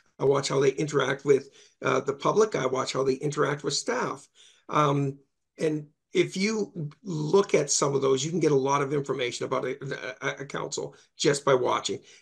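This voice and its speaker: A man with a Canadian accent, fairly high-pitched and somewhat breathy, at a fairly quick pace with ordinary pitch variation and a quiet background. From Canada. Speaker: municipal chief administrator. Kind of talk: interview. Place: office. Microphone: webcam.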